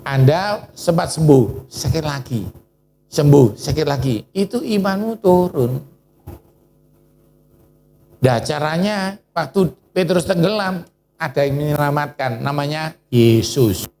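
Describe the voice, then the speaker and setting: A man preaching a sermon in Indonesian churches' lively style, asking the congregation questions and calling on a reader. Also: on the high side, takes it slowly, pauses often.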